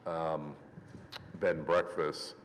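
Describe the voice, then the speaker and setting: Very deep-voiced man chairing a council meeting. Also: level tone. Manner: measured questioning, calls speakers by name. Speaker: committee chair. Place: city council committee chamber. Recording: reverberant chamber with faint background hum.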